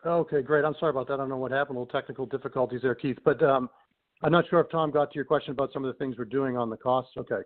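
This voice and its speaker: A man's voice: mid-range voice, steady tone, very fast. A man speaking as a finance executive on an earnings call, informal and conversational. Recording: tinny phone conference line.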